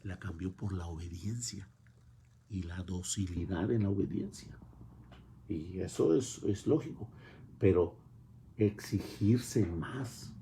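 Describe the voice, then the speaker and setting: A man's voice: sits low, warm tone, a little hiss or hum. A man preaching a homily in a parish church, emphatic, repeating words as his voice swells and drops. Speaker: priest.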